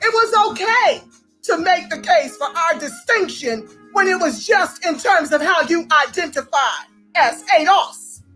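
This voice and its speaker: Very high, bright-voiced woman host. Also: a little slow, faint music behind, low-quality recording. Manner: animated, rallying, addresses listeners as family. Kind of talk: online commentary show.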